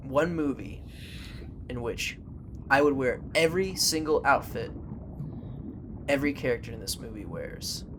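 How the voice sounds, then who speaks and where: A man chats loosely about films as a podcast co-host, playful and full of fillers. His voice sits at a middle pitch. Steady background noise runs under the recording. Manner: playful, rambling, many fillers. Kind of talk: casual movie chat.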